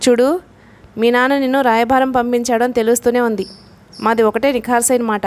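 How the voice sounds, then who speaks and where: A woman's voice: fairly high pitch, flat delivery, a little fast, natural voice. A woman reading a sneering young groom. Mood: scornful. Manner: sarcastic, dismissive. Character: scornful young groom, sarcastic and greedy.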